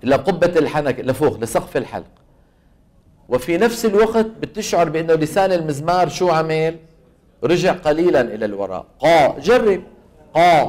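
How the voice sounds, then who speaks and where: Higher-voiced Levantine man teaching recitation. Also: animated, fast, darkish tone. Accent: Levantine Arabic. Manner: asks students questions and answers them himself; repeats sounds aloud to demonstrate them. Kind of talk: classroom lecture on tajweed.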